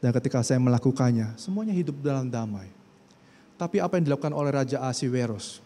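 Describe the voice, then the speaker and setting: A man preaching a sermon in a church, talking conversationally and acting out what people say, then reading scripture loudly. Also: medium pitch, expressive, quick pace. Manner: conversational, acts out quoted speech, rises to loud scripture reading. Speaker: pastor. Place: church hall. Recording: long church hall reverb.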